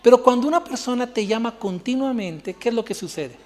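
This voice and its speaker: Man, pastor, sermon, lively storytelling, long reverb in a church hall. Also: extremely high pitch, a little fast, soft background music. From Bolivia. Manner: animated storytelling, acting out dialogue.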